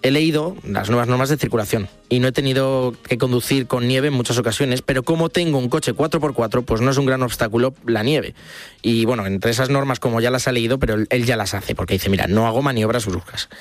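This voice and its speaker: A man's voice: medium pitch, fairly quick, soft background music. A young man from Spain, co-hosting a radio show, chatty and laughing often as he reads listener messages. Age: young adult. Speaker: radio co-host.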